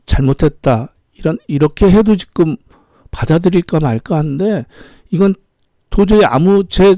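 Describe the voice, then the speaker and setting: Brief: middle-aged man, political commentator, indignant, rhetorical, fairly high-pitched, dark tone, dry room. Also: dry recording. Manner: indignant, rhetorical questions, repeated "예?". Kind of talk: opinionated political monologue.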